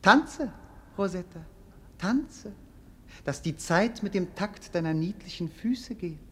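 An actor playing a bored, melancholy young prince in a classic radio play, speaking in a dreamy, languorous, theatrical way. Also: male voice, high voice, expressive, slow pace, bright, forceful tone, husky, heavily acted. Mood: dreamy, teasing.

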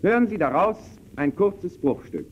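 Earnest radio pioneer: formal, emphatic, fairly high, animated pitch, dull vintage broadcast. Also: male voice, normal speed. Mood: earnest, persuasive. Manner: formal, emphatic, crisply declamatory. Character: earnest male radio pioneer lecturing sceptical guests. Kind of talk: scripted 1920s German radio presentation. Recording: dull, faintly noisy early radio recording.

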